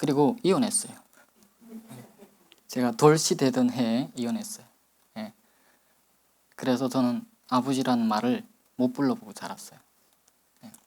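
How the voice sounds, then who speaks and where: The pitch swings very widely. Long pauses come often. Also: man, medium pitch for a man, moderate pace. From North Korea. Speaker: seminary student preacher. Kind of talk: testimony. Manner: halting.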